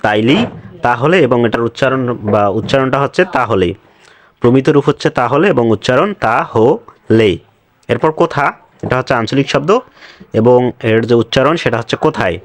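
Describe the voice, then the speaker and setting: A young adult man teaching a class lecture, speaking slowly and spelling words out letter by letter. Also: medium pitch, dry recording.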